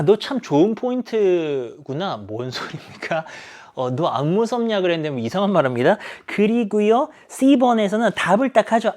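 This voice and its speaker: A man teaching an English exam lesson, emphatic and animated, asking questions and answering them himself. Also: high-pitched. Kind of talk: exam explanation lecture.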